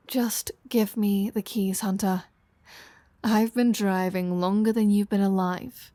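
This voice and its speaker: Slow-talking, teasing vampire woman, acted by a woman. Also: mid-range voice, fairly even intonation, mellow, no room sound, close to an everyday voice. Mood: teasing, casual. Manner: teasing, sardonic, foul-mouthed. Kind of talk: intimate roleplay audio drama.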